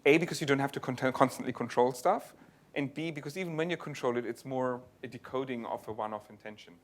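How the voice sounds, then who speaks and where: A man's voice: medium pitch, quick pace, a little hiss or hum. A man presenting research at a conference and answering audience questions, explaining in a thinking-aloud way with frequent restarts. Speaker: conference speaker. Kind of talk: tech talk and audience Q&A. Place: lecture venue.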